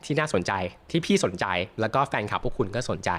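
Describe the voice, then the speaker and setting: A man's voice: on the low side, animated, fast. Man hosting a teasing interview chat. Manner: playful, teasing questions. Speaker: host.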